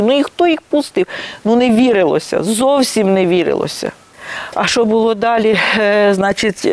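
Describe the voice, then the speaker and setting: A woman's voice: medium pitch, darkish tone, dry recording. Older village woman, dry close sound. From Kyiv region, Ukraine. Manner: repetitive, hesitant retelling, restarting sentences. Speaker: interviewee. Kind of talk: documentary testimony.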